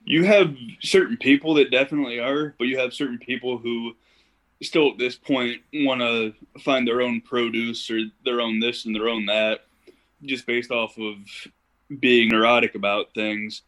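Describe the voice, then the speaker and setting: A man's voice: medium pitch, fairly even intonation, moderate pace, a bit bright, low-quality recording. A young man from Ohio, a podcast guest, chatting casually and telling stories in an easygoing way with plenty of "you know.". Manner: easygoing storyteller, uses fillers like "you know". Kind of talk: casual interview chat.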